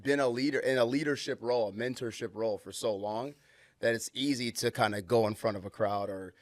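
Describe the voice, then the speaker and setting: Male podcast host, mid-pitched, encouraging, chatty, dry close recording. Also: brisk, dry recording. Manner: affirming, chatty, lots of fillers and backchannels. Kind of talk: casual interview chat.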